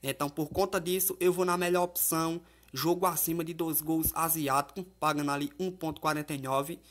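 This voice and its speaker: Higher-pitched Brazilian man giving casual tips. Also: steady tone, brisk, a bit bright. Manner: colloquial, addresses viewers familiarly. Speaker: sports betting tipster and host. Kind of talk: casual football betting tips commentary.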